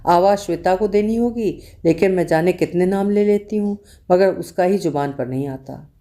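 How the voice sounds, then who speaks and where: Low-voiced woman reading a diary story. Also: normal speed, mellow. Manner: reflective, diary-like and confessional. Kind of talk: expressive first-person story reading.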